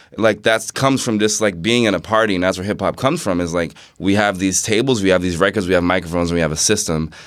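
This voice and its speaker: A man with an American accent talks at a very fast pace in a very deep, low pitch with ordinary pitch variation. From New York City. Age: 30s. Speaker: rapper and poet. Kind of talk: casual interview chat.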